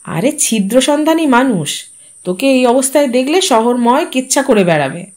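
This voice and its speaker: A woman's voice: high voice, lively intonation, moderate pace. A woman voicing a practical, anxious younger brother in a storybook reading, eager and persuasive as he explains things. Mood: urging.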